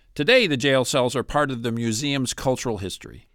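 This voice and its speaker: Against a silent background in a very clean recording, a man speaks at a medium pitch and moderate pace. His voice has vocal fry and an American accent. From Mesa, Arizona. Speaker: podcast host. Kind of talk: scripted narration with banter. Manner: wry, humorous.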